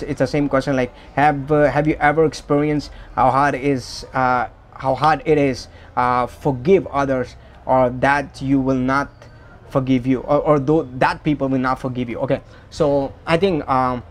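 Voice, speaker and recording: A man hosting a Christian show, speaking earnestly and haltingly with many restarts. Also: medium pitch. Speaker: host. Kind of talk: casual Christian encouragement.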